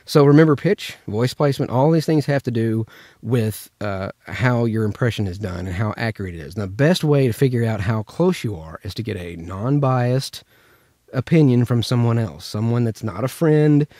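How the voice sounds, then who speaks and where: A man's voice: medium pitch, normal speed, dark tone, no room sound, clean studio sound. A man from Memphis in the United States, chatting informally as he teaches voice acting through anecdotes. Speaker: voice actor teaching character voices. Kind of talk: casual instructional chat.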